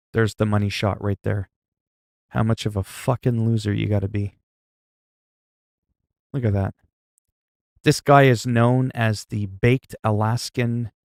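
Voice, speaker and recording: A man hosting a livestream, chatting loudly in a mock-stern, profane way with quick swings in volume. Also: lowish voice, dry recording, studio quality. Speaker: livestream host. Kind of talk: casual livestream chat.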